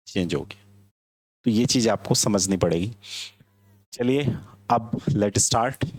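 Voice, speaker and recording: Man with teaching english, drawn-out slow delivery, keeps asking if it's clear. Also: mid-range voice, a little mellow, no room sound. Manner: explains slowly, checks understanding with questions. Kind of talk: classroom lecture. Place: classroom.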